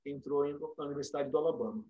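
A Brazilian man talks quickly, his voice a little higher than most. He tells long stories over a remote call and animates the remarks he quotes. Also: muffled recording. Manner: animated storyteller, acts out quotes. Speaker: guest, dentistry professor. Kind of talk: casual remote interview storytelling. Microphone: remote call microphone.

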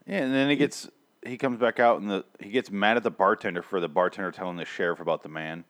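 A man's voice: sits low, fairly even intonation, fast, a bit bright. A man co-hosting a podcast, recapping an episode in casual chat, sarcastic and swearing. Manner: sarcastic, swearing, acting out quotes. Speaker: podcast co-host.

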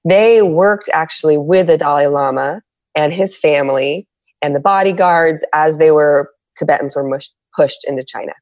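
A middle-aged woman from San Diego, talking as a podcast guest in a low, steady voice. She speaks candidly and reflectively, often pausing and restarting as she searches for her words. The recording is close and dry, with no room sound. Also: no echo. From San Diego, United States. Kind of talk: reflective conversational interview.

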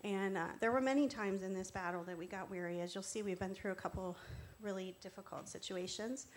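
A woman's voice: medium pitch, brisk, slight background noise. A woman preaching in a conversational style, earnest and instructive as she encourages her listeners. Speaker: preacher giving testimony. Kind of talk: conversational sermon.

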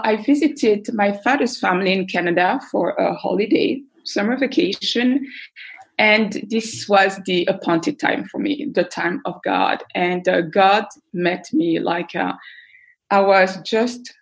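A woman from Belgium, a guest on an interview podcast, telling her life story in an earnest, thoughtful way with frequent pauses and fillers. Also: mid-range voice, poor audio. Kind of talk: casual personal storytelling.

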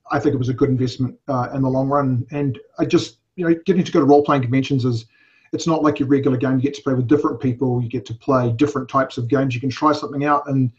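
Man, English accent with a New Zealand tinge, forties, rambling, full of "uh"s and wry asides, mid-pitched, dull lo-fi podcast sound. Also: a little mellow. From England, raised in New Zealand. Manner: rambling, hesitant, many fillers, wry asides. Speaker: convention organizer, guest. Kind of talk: casual podcast interview.

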